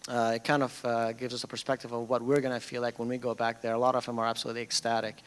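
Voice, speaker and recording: Even-toned man speaking in a reverberant hall. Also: medium pitch, rapid-fire, clean tone. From United States (Massachusetts), Afghan-born family. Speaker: community group speaker. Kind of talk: public speech, informal and unscripted.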